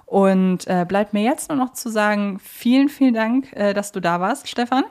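A woman's voice: medium pitch, moderate pace, a little mellow, smooth. Woman hosting a casual podcast. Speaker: podcast host. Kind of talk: casual podcast chat and sign-off.

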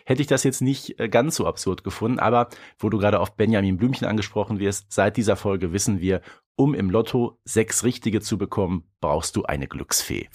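A man's voice: on the low side, brisk, a little mellow. A man co-hosting a podcast, chatting off the cuff in a colloquial, pragmatic way with hesitant phrasing. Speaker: podcast co-host. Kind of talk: casual unscripted review chat.

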